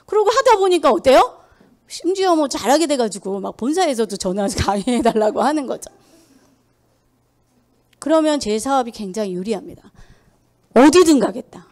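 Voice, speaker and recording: A woman's voice: fairly high pitch, sing-song, brisk, long pauses, darkish tone. A middle-aged woman giving a motivational sales lecture, emphatic, firing rhetorical questions at her audience and mimicking people's excuses. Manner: acts out quoted excuses in mocking voices. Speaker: sales seminar speaker. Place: lecture hall.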